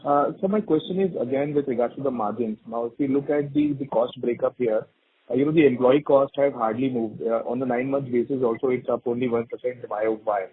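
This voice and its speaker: A man speaking as a financial analyst putting questions on an earnings call by phone, in a halting, conversational way. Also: medium pitch, husky. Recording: muffled narrow phone line.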